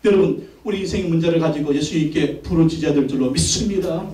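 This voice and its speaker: A man's voice: on the high side, fast talker, dark tone. A male pastor preaching a sermon with emphatic repeated rhetorical questions and leading the congregation in call-and-response. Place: church sanctuary. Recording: echoey hall, mic from far off.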